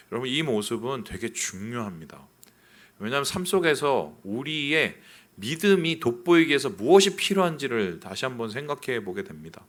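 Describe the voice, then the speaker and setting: A man's voice: medium pitch, fairly bright tone. A man, a pastor, preaching a sermon in a church, asking his congregation questions and acting out complaints. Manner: acts out quoted complaints in a raised voice. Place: church sanctuary.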